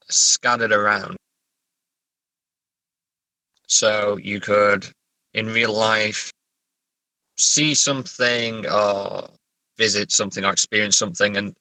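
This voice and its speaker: A man talking casually as a writer being interviewed, halting as he thinks aloud. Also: lowish voice, pushed and bright, dry recording, rough recording. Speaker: writer, podcast guest. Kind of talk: casual interview chat about writing.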